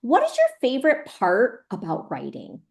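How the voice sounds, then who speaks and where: A woman hosts a live online author visit for schoolchildren. She talks in a chatty way to children and teachers alike. Her voice is pitched slightly high. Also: huge pitch swings, moderate pace, gravelly, darkish tone. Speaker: host of an online book event.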